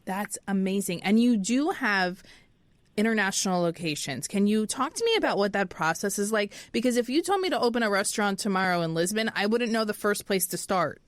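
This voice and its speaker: A woman hosting a radio talk show, asking questions and chiming in with quick short responses. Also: medium pitch, lively intonation, dry recording. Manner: quick short affirmations, friendly interjections. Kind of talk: casual radio interview.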